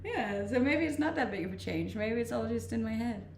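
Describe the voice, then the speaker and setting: A woman's voice: on the high side, animated, fairly quick, vocal fry, far from the mic. A woman in her twenties from Denmark, live streaming and chatting casually with viewers while reading comments, laughing often and restarting her sentences. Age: 20s. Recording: roomy echo, voice off-mic, faint noise.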